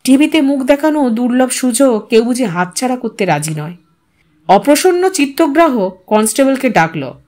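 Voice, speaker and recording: A woman's voice: high voice, animated, normal speed, darkish tone. A woman narrating a literary audio story in a dramatic, scripted reading style.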